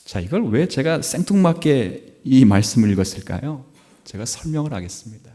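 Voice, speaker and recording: A male pastor in his forties preaching at a Sunday church service, telling a family story with lively jumps in pitch and loudness and asking the congregation questions. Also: normal speed. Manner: animated storytelling, acts out quotes with sharp jumps in pitch and volume; asks the congregation questions and laughs along. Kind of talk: sermon.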